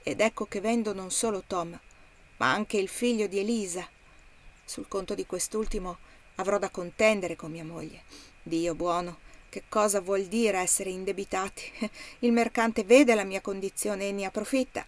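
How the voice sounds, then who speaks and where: A woman's voice: medium pitch, fairly even intonation, moderate pace, lightly acted. Uneasy indebted landowner man, read by a woman, curt and disgusted, storybook reading. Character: indebted, uneasy male plantation owner.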